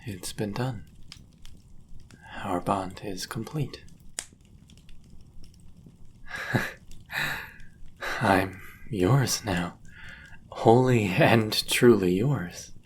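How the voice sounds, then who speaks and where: A man playing a powerful, devoted demon bound to a sorcerer in an intimate audio roleplay, speaking formally and deliberately with a gravelly voice. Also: on the low side, full character voice. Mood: adoring, hungry. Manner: formal, old-fashioned wording, deliberate.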